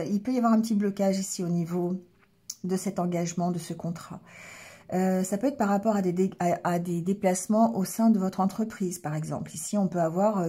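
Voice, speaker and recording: A woman with a hoarse, mellow, darker voice reads tarot cards for her viewers. She talks haltingly, full of fillers and restarts, and keeps clearing her throat and checking in with the listener. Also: medium pitch. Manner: hesitant, many fillers and restarts, checks in with "d'accord?". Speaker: tarot card reader. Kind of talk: casual tarot reading addressed to viewers.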